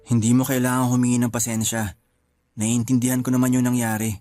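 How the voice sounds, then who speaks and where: A man's voice: mid-range voice, flat delivery, fairly quick, warm tone, natural voice. An actor playing a grieving young man at his uncle's wake in a radio drama. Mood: sad. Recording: faint music under the voice.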